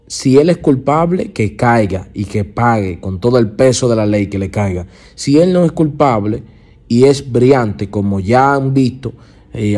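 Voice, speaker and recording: Dominican man, mellow street-slang YouTube host. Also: medium pitch. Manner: colloquial street slang, repetitive, halting. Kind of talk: casual urban music gossip news commentary.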